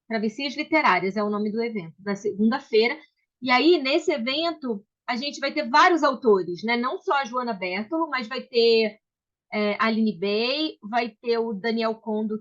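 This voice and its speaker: A Brazilian woman hosting a book club on a video call has a fairly high, fairly bright voice. Her casual talk is chatty and welcoming with frequent restarts, heard through slightly dull video call audio.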